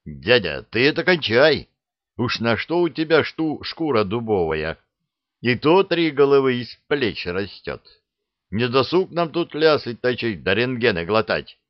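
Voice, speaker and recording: A man's voice: medium pitch, big pitch swings, unhurried, dry recording, lo-fi sound, voice pushed up. A man voicing a brash, impatient young hero in a storybook reading, brusque and colloquial.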